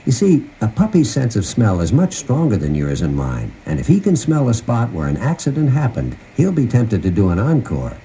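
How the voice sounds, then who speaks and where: A man's voice: medium pitch, huge pitch swings, moderate pace, few pauses, warm tone. A man giving scripted instructional narration in a folksy, conversational manner, recorded on an old cassette tape. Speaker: host of a puppy training guide tape. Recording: noisy 1990 cassette tape transfer.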